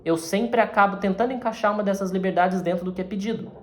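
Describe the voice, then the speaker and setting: A man's voice: high-pitched, fast talker, slight background noise. A man with a Brazilian accent, an actor giving a casual explanatory lesson on acting, talking conversationally and often ending phrases with tag questions.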